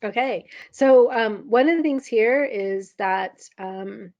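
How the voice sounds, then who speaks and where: A woman presenting a software demo in a webinar, halting with many ums, her voice going hoarse as she keeps clearing her throat. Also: fairly high pitch, no echo. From California. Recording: dull, lo-fi webinar audio.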